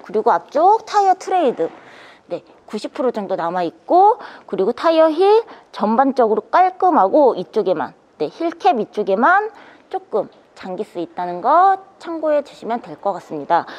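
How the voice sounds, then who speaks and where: High, lively woman doing upbeat car sales patter. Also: moderate pace. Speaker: used car salesperson presenting a truck. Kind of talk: sales walkaround presentation. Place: indoor parking garage, later inside truck cab. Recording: background noise in parking garage.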